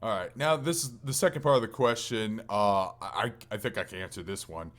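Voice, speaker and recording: Guy with a lowish voice chatting on a gaming podcast, reads out questions, casual co-host. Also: brisk.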